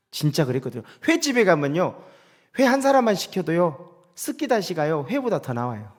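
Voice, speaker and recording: A middle-aged man preaching a sermon as pastor, dramatic, moving from loud declarations to soft asides. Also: sits high.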